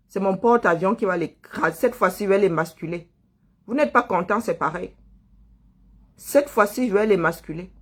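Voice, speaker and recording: A husky-voiced woman speaks at a middle pitch, delivering a fiery political monologue. She taunts and scolds her listeners, dropping mocking rhetorical asides as she goes. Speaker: diaspora political activist.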